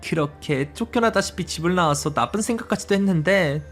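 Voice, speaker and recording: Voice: mid-range voice, expressive, fairly quick, soft background music, natural voice. A performer voicing a remorseful mother explaining why she left her child, in a dramatized story reading, with a lamenting, apologetic manner. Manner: soothing, then lamenting.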